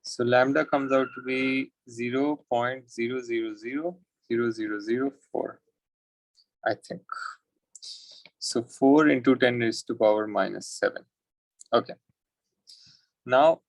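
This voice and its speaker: A man with a South Asian accent teaches as a tutor, solving problems step by step. His voice has a strong creak and sits at a medium pitch. The sound is dry, and he talks informally, thinking aloud in short pieces. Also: unhurried, pauses often, dry recording, rough recording. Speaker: physics tutor. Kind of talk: working through exam questions aloud.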